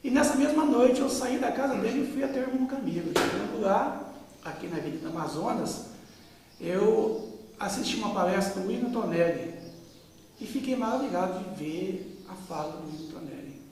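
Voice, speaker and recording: A man in his fifties from Brazil speaks in a fairly high voice, slowly reminiscing with frequent pauses and fillers. He sounds distant from the microphone in a very echoey room with a long reverb tail, and a faint hiss sits underneath. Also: expressive, darkish tone. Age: 50s. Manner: unhurried, with many pauses and fillers. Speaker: interviewee. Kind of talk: reminiscing oral-history interview. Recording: echoey room, mic far off.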